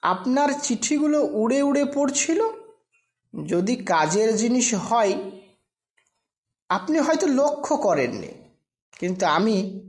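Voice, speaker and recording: Woman voicing a modest, excitable middle-aged gentleman. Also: on the high side, takes it slowly, long pauses. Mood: bashful.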